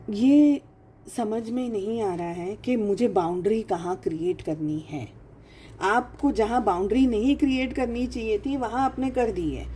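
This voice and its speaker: A woman with a fairly high, mellow voice does a casual tarot reading over a faint hiss or hum. She stresses points by repeating phrases, speaks emphatically, and sprinkles English phrases throughout.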